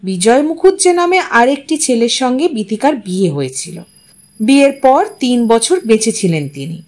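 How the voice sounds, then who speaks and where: A woman reading a literary story aloud as an expressive narrator. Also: on the high side, normal speed.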